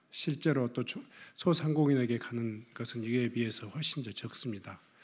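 This is an unremarkable speaking voice with ordinary pitch variation. The background is quiet. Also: man. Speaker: politician. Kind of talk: press conference statement. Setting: press conference. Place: hall. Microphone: podium.

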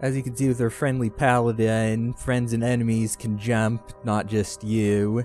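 Music in the background under a man at a fairly slow pace, with a dry sound and no echo. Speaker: let's play commentator. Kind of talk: gameplay commentary.

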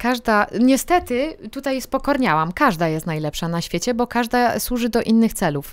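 Against a quiet background, a woman with a fairly high pitch speaks at a moderate pace, barely pausing, and her pitch swings very widely. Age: 40s. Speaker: astrobiologist and neuroscientist; interviewee. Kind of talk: interview. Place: studio. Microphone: studio mic.

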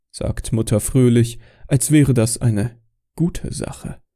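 A somewhat breathy man's voice at medium pitch, dramatic in tone and very slow in pace. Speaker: audiobook narrator. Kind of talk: scripted narration. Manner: dramatic, hushed, foreboding.

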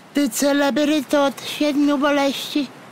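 A squeaky, high-pitched put-on character voice with monotone, flat intonation at a moderate pace, over light background noise. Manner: teasing, scolding.

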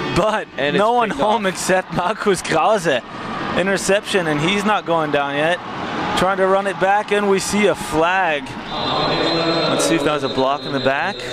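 The voice moves at a moderate pace with long, frequent pauses. The sound is dry with no echo, under loud background noise. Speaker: sports commentator. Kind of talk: live sports commentary. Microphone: headset.

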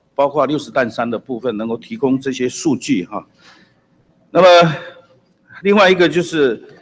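Long pauses come often, though the talking itself holds a moderate pace. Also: man, fairly high pitch for a man, lively intonation. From Taiwan. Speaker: county councillor. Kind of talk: council questioning. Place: hall. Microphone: podium.

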